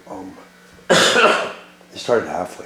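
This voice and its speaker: A man's voice over noticeable background noise. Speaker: board wargame streamer. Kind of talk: casual gameplay commentary. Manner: hesitant, with many fillers.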